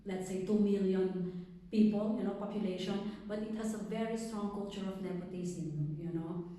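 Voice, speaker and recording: Echoey, distant filipino woman, mellow voice. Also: mid-range voice, fairly even intonation, moderate pace. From Philippines. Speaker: interviewee giving a testimonial. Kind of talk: conversational interview answers. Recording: echoey room, distant microphone.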